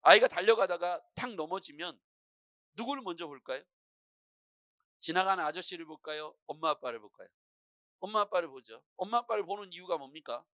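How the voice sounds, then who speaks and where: A man's voice: high voice, a little fast, dry recording, studio quality. A middle-aged male pastor preaching a morning prayer sermon in a church, telling stories and acting out voices as he goes. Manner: lively storytelling preacher, acting out anxious and calm voices.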